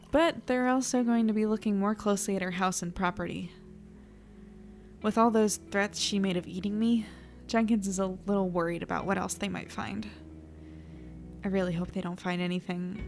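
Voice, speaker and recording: Actress as young woman reporter in an audio drama, earnest and tired, gravelly fry, bit of music under. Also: medium pitch, a little mellow, natural voice. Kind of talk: audio drama acting with first-person narration.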